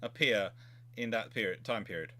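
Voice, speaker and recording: Halting man hosting history chat. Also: fairly low pitch, bright, forceful tone. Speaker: host, naval historian. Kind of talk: casual history chat with audience questions.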